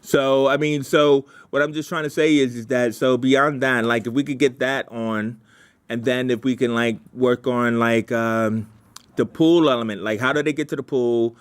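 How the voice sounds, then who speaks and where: A man at an ordinary middle pitch talks like a showrunner steering a brainstorm. His delivery is casual and rambling, circling back over phrases and stalling as he thinks aloud. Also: steady tone, clear, resonant tone. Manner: halting, repetitive, thinking aloud. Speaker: showrunner leading a writers' meeting.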